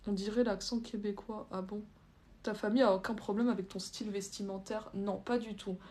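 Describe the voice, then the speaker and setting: Reading and bluntly answering viewer comments, this young French livestreamer chats informally, her phrasing loose and hesitant. Her voice is dark and medium-pitched, with a steady tone and a slightly fast pace.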